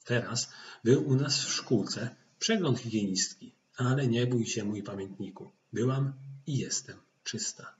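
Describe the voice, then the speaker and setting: A man's voice: medium pitch, normal speed, few pauses. Man reading a diary in a roomy recording. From Poland. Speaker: diary reader. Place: indoor room at home. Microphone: computer webcam, video call setup. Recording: roomy, dull, noisy webcam sound.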